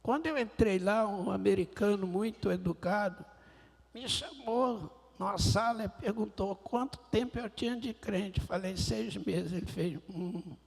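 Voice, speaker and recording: Male guest pastor, husky and high, animated testimony storyteller, long church-hall echo. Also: normal speed. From Brazil, Rio de Janeiro. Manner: lively storyteller, acts out dialogue with slang. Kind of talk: testimony sermon. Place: church auditorium.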